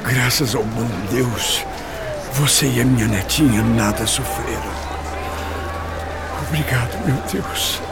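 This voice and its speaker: An actor playing a badly injured Brazilian grandfather in a radio soap, halting, weak and emotional as he worries tenderly for his family. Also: mid-range voice, vocal fry, loud music behind the voice. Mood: weak, grateful. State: weak, in pain. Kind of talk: radio soap opera acting.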